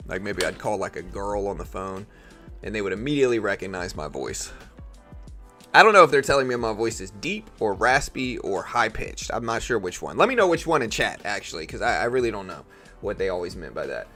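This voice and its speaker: Quick and sing-song, a raspy man with a fairly low pitch runs a laid-back live trading stream. Between loose asides he reads the news out, muses aloud, and throws questions to his chat, with soft music in the background.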